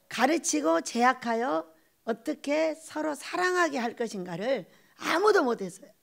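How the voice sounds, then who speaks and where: A woman pastor preaching a sermon in an animated way, acting out quoted voices and laughing often. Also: sits high, creaky.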